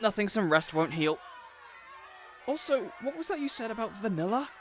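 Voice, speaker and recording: A man playing a boisterous, smug, cheerful superhero in an audio roleplay, talking loudly and triumphantly. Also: sits high, very animated, moderate pace, some chatter behind, a little hiss or hum. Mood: chipper. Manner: loud, triumphant, chatty. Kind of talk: character audio roleplay acting.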